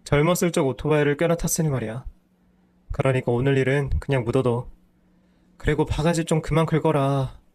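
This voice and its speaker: A man's voice: on the high side, brisk, darkish tone, lightly acted. A lazy, self-pitying husband whines excuses in a storybook reading, as a man voices him. He sounds close to an everyday male voice, defensive and sulky. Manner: whiny, defensive.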